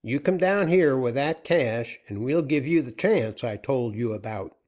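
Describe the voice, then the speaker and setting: A man voicing a commanding outlaw captain in a storybook reading, loud and forceful. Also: mid-range voice, expressive, unhurried, pitched above the performer's own voice, lightly acted.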